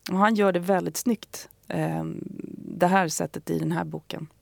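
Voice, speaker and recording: A woman's voice: lowish voice, fairly even intonation, vocal fry, a little mellow, dry recording, clean studio sound. A woman talking casually on the radio as a guest recommending a book, hesitant, with many fillers and restarts.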